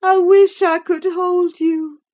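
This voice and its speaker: A woman voicing a feverish, dying young woman who is bitter and vindictive, speaking in shrill anguished accusations. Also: flat delivery, slow, a little mellow, lo-fi sound.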